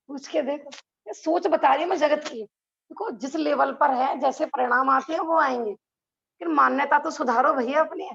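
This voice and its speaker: In a lo-fi recording, a woman with a high, gravelly, fairly bright voice lectures a religious class at a measured pace. She keeps putting rhetorical questions to her listeners and laughs between points.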